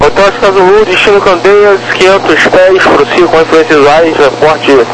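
A Brazilian man with a slightly high voice speaks as an air traffic controller. His delivery is clipped, procedural radio talk much like police dispatch. It comes over a two-way radio with clear hum and noise. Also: fairly even intonation, normal speed. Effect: two-way radio transmission. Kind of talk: clipped radio phraseology giving flight instructions, like police radio dispatch. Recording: noisy radio channel with hum.

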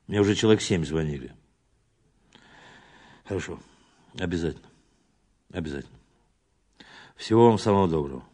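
An actor playing a weary police boss under pressure in an audio drama, official and grumbling in manner. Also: male voice, lowish voice, darkish tone, slightly rough. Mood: firm, official. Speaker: police chief. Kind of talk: Russian audio drama acting.

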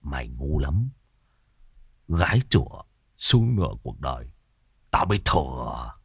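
A sly, crude sidekick mutters his jokes in a deep, gruff murmur, as a man voices him. His tone is dark and low-key, and the recording is dry and close. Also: expressive, a little fast, no room sound, full character voice.

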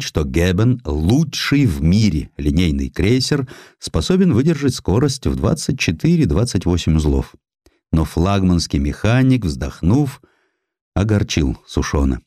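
A man narrating a historical account from a script in an expressive, theatrical storytelling manner, as an audiobook reader. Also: sits low, no room sound, clean studio sound.

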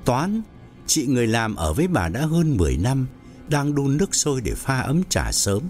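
Guy reading a ghost story, really dramatic swings, mid-pitch. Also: sing-song, moderate pace, darkish tone, soft background music. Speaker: narrator. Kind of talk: audio story narration.

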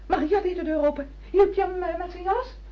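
A woman's voice: very high voice, brisk. An actress playing a fretful, naive wife and mother who fusses and exclaims in a radio drama. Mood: anxious, indignant. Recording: dull, noisy old radio recording.

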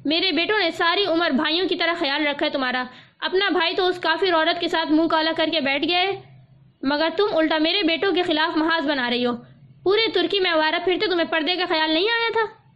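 Audiobook: angry older uncle shouting down his niece, voiced by a woman; slightly muffled audio. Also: very high voice. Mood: enraged. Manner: shouting, scolding harshly. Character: stern furious older uncle, a man.

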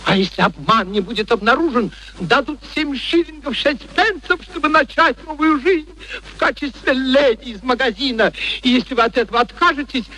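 An actor playing an excitable, imperious professor who cajoles and commands theatrically in a vintage radio play. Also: male voice, very high-pitched, moderate pace, full character voice, rough recording. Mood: commanding, grandiose. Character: domineering, excitable, eccentric male professor. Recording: old radio recording with faint noise.

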